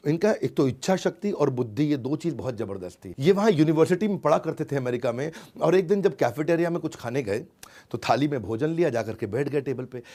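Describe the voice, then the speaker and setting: Animated man telling a story. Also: medium pitch. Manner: animated, repeats phrases, tag fillers. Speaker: motivational storyteller. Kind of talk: storytelling talk.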